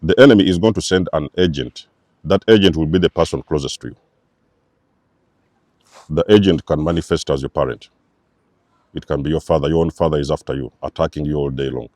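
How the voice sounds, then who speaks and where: Deep, dark-voiced man preaching. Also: dry recording. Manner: emphatic, repetitive, preacher-like. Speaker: spiritual channel host. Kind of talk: spiritual teaching monologue.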